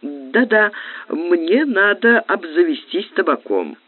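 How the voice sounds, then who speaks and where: A man voicing a thin, timid middle-aged hotel guide who speaks softly and deferentially. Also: sits high, big pitch swings, takes it slowly, husky, full character voice. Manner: soft-spoken, deferential. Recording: tinny phone-like lo-fi recording.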